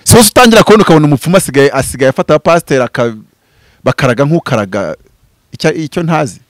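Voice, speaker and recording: A fiery Rwandan pastor and prophet talks fast and expressively in an animated, preaching-style interview, gesturing as he swings from loud bursts to low murmurs. He stands outdoors before green foliage, holding a handheld mic close, with no room sound.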